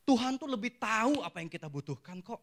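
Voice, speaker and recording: Male pastor, bright voice, animated sermon storytelling. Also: high-pitched, fast talker. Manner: lively storytelling with call-and-response.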